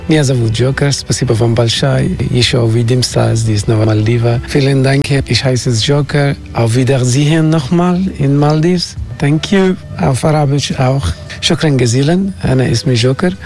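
A man saying goodbye in several languages in a quick, friendly greeting. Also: mid-range voice, a little mellow, faint music behind. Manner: quick multilingual farewell greeting.

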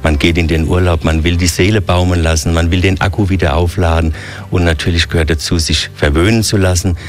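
A man from Hesse with a Hessian accent, a hotel director explaining his hotel in a radio interview in a relaxed, listing way. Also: low-pitched, brisk. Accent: Hessian German. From Hesse, Germany.

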